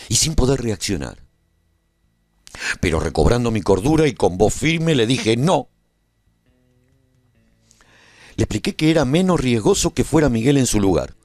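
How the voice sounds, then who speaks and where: A man playing a humane war survivor who recounts his own story in an expressive, reflective radio drama narration. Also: lowish voice, no echo, clean studio sound. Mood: smitten, reflective, then firm, narrating.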